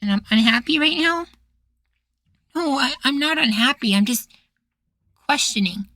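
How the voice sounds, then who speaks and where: A woman's voice: high voice, lively intonation, measured pace, no room sound, full character voice. A woman playing a meek, sweet young boywife in a futuristic ASMR roleplay, hesitant and full of trailing questions. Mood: nervous, questioning. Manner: hesitant, soft-spoken pleading, trailing questions.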